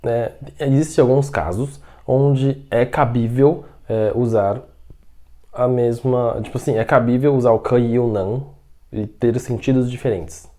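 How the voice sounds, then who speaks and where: A man teaching a language lesson with a Brazilian Portuguese accent. He explains patiently, keeps checking in with the learner, and slows right down to model example sentences. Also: mid-range voice, steady tone, dark tone. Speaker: Mandarin teacher.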